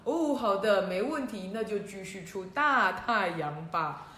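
A woman voicing a male thunder god filling in for the rain god, speaking slowly, loudly and with command, in a storybook tale. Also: medium pitch, lively intonation, a little hiss or hum. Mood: booming. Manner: slow, loud, commanding. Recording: roomy echo.

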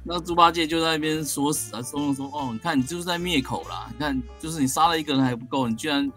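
A man's voice: fairly high pitch, fast, faint music behind. A man, casually retelling a classic story as a guest and acting out the quoted characters. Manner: animated, acts out quoted characters.

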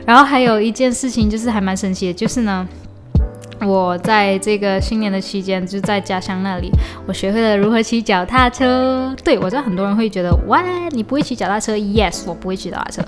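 A woman's voice: mid-range voice, fairly quick, music in the background. A young woman from Malaysia, telling stories in a chatty, casual podcast diary, often restarting and mixing in English. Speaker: podcast host. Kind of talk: casual diary-style storytelling. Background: faint lo-fi beat.

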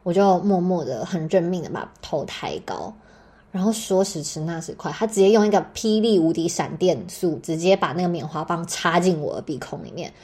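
Husky-voiced Taiwanese woman telling a story. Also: on the low side, brisk. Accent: Taiwanese Mandarin. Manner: animated, dramatic, swears freely. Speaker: podcast host. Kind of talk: personal storytelling monologue.

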